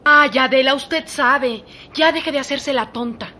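An actress playing a suspicious young domestic worker in a radio drama, with a blunt, accusing manner. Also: female voice, sits high, measured pace, sharp tone. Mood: defiant. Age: young adult. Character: young live-in maid, suspicious and defiant.

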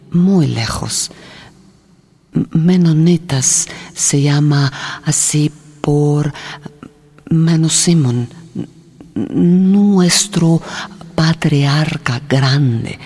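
An actress playing an earnest Mennonite farm wife in a radio drama, with a German accent and halting, broken phrasing. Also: female voice, low-pitched, warm tone, husky, exaggerated voice. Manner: halting, broken phrasing with dropped articles and hums.

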